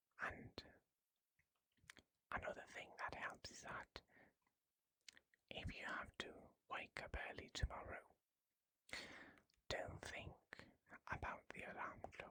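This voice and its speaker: A whisper at a very slow pace, broken by long, frequent pauses. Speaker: ASMR creator. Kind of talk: guided meditation and sleep aid rambling. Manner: soft-spoken, slow.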